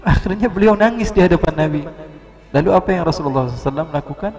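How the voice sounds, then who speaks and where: A man with an Indonesian accent preaching a lively, humorous sermon, storytelling with acted quotes. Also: a little high, rapid-fire, faint music behind. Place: large mosque hall. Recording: reverberant hall.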